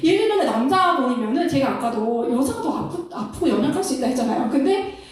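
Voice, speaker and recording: Woman, high lively voice, Christian counselor, animated lecture, laughs a lot, very echoey room, a bit off-mic. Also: fast talker, far from the mic. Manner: animated, laughs often, acts out couples' lines. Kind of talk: lecture-style talk.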